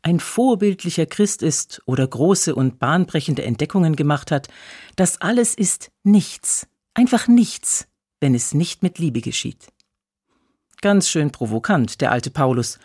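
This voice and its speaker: A preacher giving a scripted radio devotional, measured in delivery, slowing down to stress key phrases and reading scripture solemnly. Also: mid-range voice, big pitch swings, darkish tone, breathy edge, no echo, clean studio sound.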